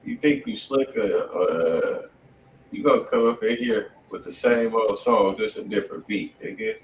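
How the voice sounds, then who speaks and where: A man's voice: fairly low pitch, lively intonation, moderate pace, a little hiss or hum. A man hosting a live music-review stream from a home studio, laid-back and joking in heavy slang. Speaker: host. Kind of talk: casual live-stream chat. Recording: roomy, from far off the mic.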